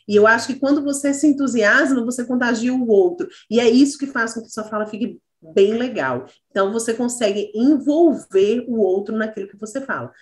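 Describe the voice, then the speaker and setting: A woman's voice: on the high side, brisk, hardly any pauses. A woman teacher giving encouraging feedback to students in an online class, speaking over a video call and thinking aloud with fillers.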